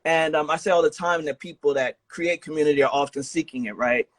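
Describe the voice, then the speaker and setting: Higher-pitched man hosting a casual interview. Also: a little fast, no echo. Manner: informal, enthusiastic and affirming. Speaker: podcast host interviewing a guest.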